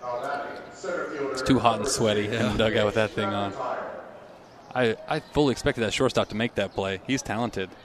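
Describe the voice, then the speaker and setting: Against noticeable background noise, a man with an American accent talks at a moderate pace with medium pitch and ordinary pitch variation. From Arizona. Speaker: color commentator, former pitcher. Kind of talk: live commentary.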